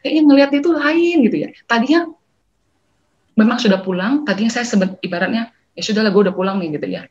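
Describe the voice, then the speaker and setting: A woman's voice: a little high, fast talker, a little hiss or hum. A woman giving a church testimony, telling her story vividly, acting out what others said and mixing in English phrases. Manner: lively storytelling, acting out quoted dialogue. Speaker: testimony speaker. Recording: dull lo-fi recording.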